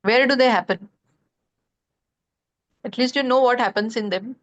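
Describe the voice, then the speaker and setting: A woman with a South Asian accent speaks as an examiner in an oral exam. Her questioning is brisk and challenging. The online audio sounds somewhat muffled. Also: on the high side. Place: webinar call.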